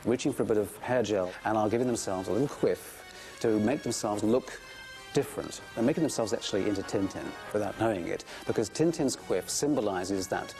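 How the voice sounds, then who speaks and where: Lowish voiced guy musing in a doc interview, faint music under. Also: fairly quick, darkish tone. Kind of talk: documentary interview.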